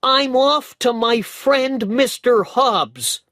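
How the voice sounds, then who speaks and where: A man voicing an excited young male shoeshine boy in a storybook reading, talking loud and urgent. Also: high-pitched, very slow, no echo, clean studio sound, pitched above the performer's own voice, exaggerated voice. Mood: determined. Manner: shouting, breathless, urgent.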